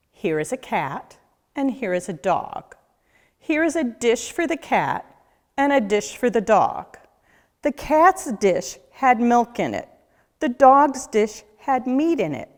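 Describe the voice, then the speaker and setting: Slow, expressive woman reading to children. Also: a little high. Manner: deliberate, questioning storyteller delivery for children. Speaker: nature center educator reading aloud. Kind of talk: children's picture book read-aloud. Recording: echoey room with long reverb.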